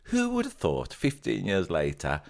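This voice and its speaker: Deep-voiced man, jokey co-host. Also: wildly swooping pitch, unhurried, gravelly, darkish tone. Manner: jokey, reads out listener comments with playful emphasis. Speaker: podcast co-host. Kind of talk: casual chat.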